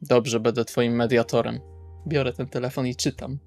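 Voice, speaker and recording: A man's voice: mid-range voice, flat delivery, moderate pace, darkish tone, no echo. A man chatting casually and a little hesitantly in character as a player in a tabletop roleplaying session. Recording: music bed under the voice. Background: background music.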